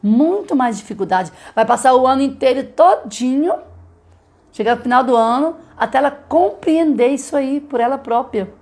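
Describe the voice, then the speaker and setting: A woman's voice: sits high, expressive, normal speed, a little mellow. A middle-aged woman teaching literacy in a live stream, explaining and checking in often with her listeners. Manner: explanatory, frequent checking "tá?", demonstrates letter sounds.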